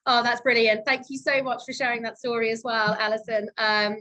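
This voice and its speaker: A woman hosting an online panel over a video call, effusive and quick to thank each guest. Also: fairly high pitch, little pitch movement, pushed and bright, poor audio. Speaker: webinar host.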